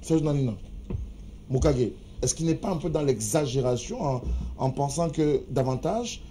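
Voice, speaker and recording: Firm debate moderator, very dark tone. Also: male voice, mid-range voice, animated, moderate pace, a little hiss or hum. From Cameroon. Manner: firm, calls for order.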